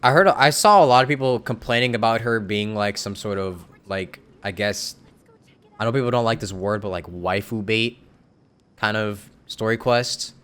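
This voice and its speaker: A man's voice: lowish voice, moderate pace, a bit bright, smooth. Laid-back man streaming a game. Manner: laid-back, laughs often, answers chat. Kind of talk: casual live-stream commentary.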